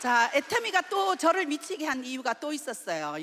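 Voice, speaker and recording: A woman speaks at a high pitch in a bright, sharp tone. Her pitch swings very widely. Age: 60s. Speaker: network marketing leader. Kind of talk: motivational speech. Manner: animated.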